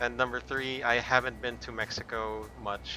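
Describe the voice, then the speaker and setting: Music in the background behind a man talking at a moderate pace. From Philippines. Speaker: flight sim streamer. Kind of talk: live stream with radio calls. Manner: casual chatty with clipped radio phraseology.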